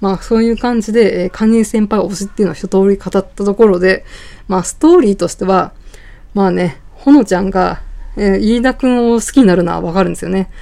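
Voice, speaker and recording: A woman around forty hosting her solo podcast in casual chat, chatty and full of filler pauses. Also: mid-range voice, vocal fry, mellow. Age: 40s. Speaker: podcast host.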